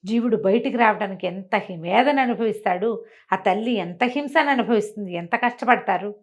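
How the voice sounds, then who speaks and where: A woman telling moral tales aloud in an animated, conversational way, explaining as she goes and acting out dialogue. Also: mid-range voice, normal speed. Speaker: storyteller.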